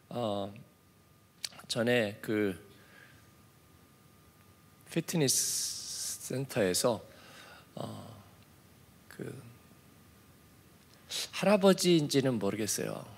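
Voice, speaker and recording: A man preaching an early-morning sermon as a pastor in a conversational way, dotting his talk with affirming fillers and moving from soft asides to emphatic points. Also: mid-range voice, vocal fry. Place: church.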